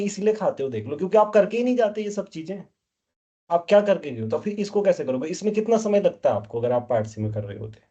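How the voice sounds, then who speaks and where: A man's voice: high voice, dark tone, lo-fi sound. A man teaching math to a class, scolding and quizzing the students as he goes. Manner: scolding, keeps questioning students. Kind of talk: classroom lecture.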